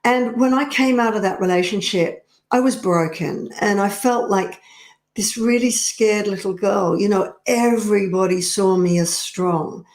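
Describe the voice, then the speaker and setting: A middle-aged woman coaches the listener in a slow, deliberate, confiding way, speaking as if face to face. Her voice sits at an ordinary pitch for a woman. The room around her rings with a noticeable echo. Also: darkish tone. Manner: slow, earnest and confiding, addressing the viewer directly. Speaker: personal power coach. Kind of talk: direct-to-camera coaching talk. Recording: roomy echo.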